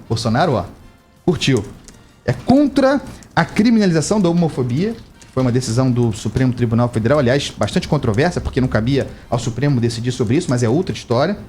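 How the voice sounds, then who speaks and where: A man from Brazil giving emphatic, indignant political commentary on live radio, his voice climbing sharply when he stresses a point. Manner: emphatic, indignant, animated pitch rises. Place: radio studio.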